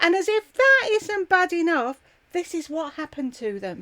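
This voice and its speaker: The pitch swings very widely throughout. Delivery moves at a moderate pace. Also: woman. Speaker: narrator of short stories and vlogger. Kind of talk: angry opinionated commentary to camera on a news story. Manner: indignant, outraged.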